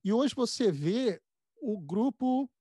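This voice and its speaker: A man hosting a casual conversational interview, speaking haltingly and often repeating words as he goes. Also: high-pitched, expressive, warm tone, no room sound, studio quality. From born in the United States.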